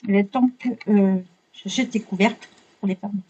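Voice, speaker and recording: Husky excitable woman vlogger. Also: medium pitch, moderate pace, dull audio. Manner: excitable, swears casually, apologizes a lot. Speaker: vlogger unboxing art supplies. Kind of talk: casual unboxing chat.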